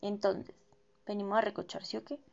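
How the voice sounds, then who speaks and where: A woman's voice: mid-range voice, steady tone, brisk, creaky, lo-fi sound. A young woman from Bogotá, Colombia, with a Bogotá accent and a dry throat, chatting to her followers in a gossipy, self-mocking way full of slang. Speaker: vlogger. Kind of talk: casual chatty monologue.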